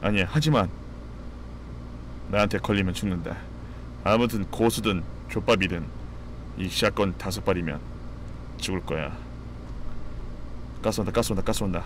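A man's voice: low-pitched, normal speed, pauses often, a little hiss or hum. A man giving live game commentary as a streamer, casually and playfully talking to viewers, muttering repeated short phrases and bursting into exclamations.

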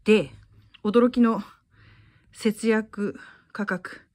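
A woman's voice: medium pitch, fairly even intonation, extremely slow, a little mellow. A middle-aged woman vlogger narrating casually in a matter-of-fact, conversational way, as in a shopping haul.

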